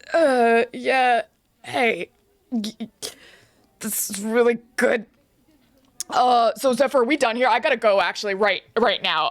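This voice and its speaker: A woman puts on a raspy character voice, fairly high in pitch. She speaks fairly slowly, with long, frequent pauses. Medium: actual play. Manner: casual, rambling, full of "like".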